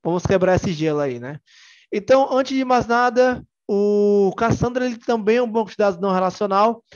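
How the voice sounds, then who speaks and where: A man's voice: high voice, moderate pace, muffled recording. A young man with a Bahian Brazilian accent, giving a casual, joking technical conference talk full of fillers and restarts. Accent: Bahian Brazilian Portuguese. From Salvador, Bahia, Brazil. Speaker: tech conference speaker.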